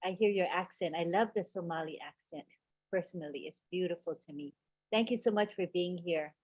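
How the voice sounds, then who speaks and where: A woman's voice: on the low side, brisk, darkish tone, husky, dry recording. A woman hosting a group call, upbeat and welcoming as she introduces speakers. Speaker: host.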